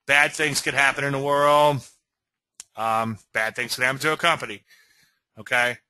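A man's voice: mid-range voice, fairly even intonation, normal speed, sharp tone, no room sound. A middle-aged man with a Cajun accent, from Louisiana, giving a folksy screen-share lecture on trading and often checking in with "okay?". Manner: folksy, asks okay often, self-deprecating asides. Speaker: trading educator.

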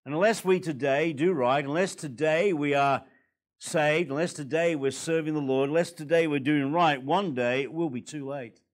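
An older man in his sixties with an Australian accent, a guest preacher at a church pulpit, a little hoarse from a recent cold, building to forceful, emphatic preaching. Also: fairly high pitch, normal speed. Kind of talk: sermon. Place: church hall, indoors. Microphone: pulpit microphones.

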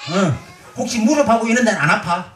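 A man's voice: high voice, animated, quick pace, a bit bright. A man performing as a pumba street entertainer, out of breath, joking and teasing the crowd on an outdoor festival stage. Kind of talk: live comic stage banter. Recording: roomy, distant, crowd noise.

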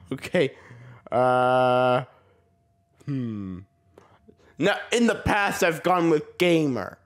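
Very slowly and with frequent pauses, a young gaming channel host gives casual let's play commentary in a medium-pitched voice. Slightly coughing and sore-throated, he rambles, laughs often, and keeps making jokes at his own expense.

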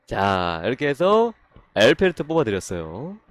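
A man doing casual live-stream commentary on game gacha pulls, excitable, swinging from calm explaining to loud exasperated outbursts. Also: mid-range voice, moderate pace, no room sound.

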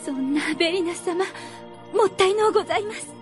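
Timid, high-pitched young maidservant. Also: female voice, fairly quick, soft background music. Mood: flustered, humble. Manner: deferential, breathy and pleading. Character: timid, devoted young maidservant, fearful and apologetic. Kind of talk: Japanese radio drama acting.

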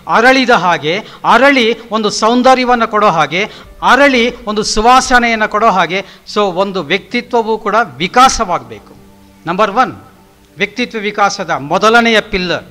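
Give me a middle-aged man lecturing emphatically with repeated lists, in a high, bright voice. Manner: emphatic, repetitive lists, mixes in English words. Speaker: professor giving a lecture. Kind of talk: motivational lecture.

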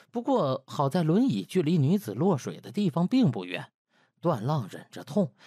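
Theatrical male storyteller, very animated. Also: a little high, slightly rough, dry recording, studio quality. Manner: colloquial, theatrical. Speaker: audiobook narrator. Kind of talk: dramatized storytelling of comic web novel.

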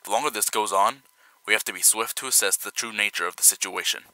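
An actor playing a dutiful personal assistant, formal, polite and grave, in an audio drama. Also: male voice, on the low side, quick pace, bright, forceful tone, no echo, poor audio. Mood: grave urgency.

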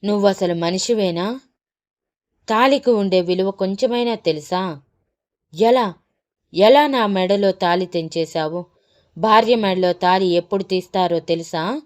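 A woman's voice: fairly low pitch, unhurried, darkish tone, clean tone, natural voice. Woman voicing a tearful defiant young wife. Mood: anguished. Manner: tearful, pleading anger.

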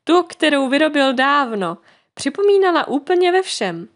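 A woman reading a children's fairy tale aloud as an audiobook narrator, lightly voicing the characters. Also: sits high. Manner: expressive, voices the characters lightly. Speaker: storyteller.

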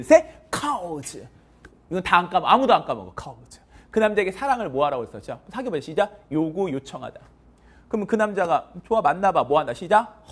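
A man's voice: on the high side, husky. A male English teacher lecturing a class, drilling students with call-and-response and counting them in. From South Korea.

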